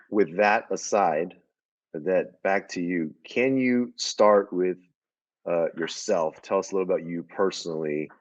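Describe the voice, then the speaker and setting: A man's voice: low-pitched, darkish tone, no echo, highs cut off. A man hosting a podcast, asking questions in a dry, teasing way. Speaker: podcast host. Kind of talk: casual podcast conversation.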